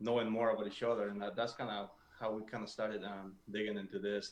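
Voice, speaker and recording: A man with a strong Mexican accent talks very fast at a medium pitch. His intonation stays monotone and flat. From Mexico. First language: Spanish. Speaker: podcast guest. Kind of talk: casual conversation. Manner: halting, many fillers and repeats.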